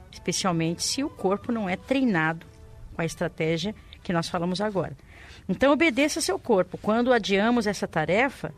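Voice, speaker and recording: A woman with a Brazilian accent co-hosting a radio show, chatting and explaining things in a casual way. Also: mid-range voice. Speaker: radio co-host. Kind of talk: casual radio chat with health tips. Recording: music under the voice. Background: background music.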